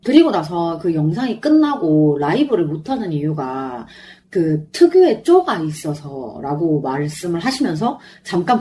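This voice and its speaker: Recorded with slight hiss or hum, a mid-range female podcaster talks alone and excitedly about a concert she saw. Singing along has left her throat sore and strained, yet she stays effusive and fannish.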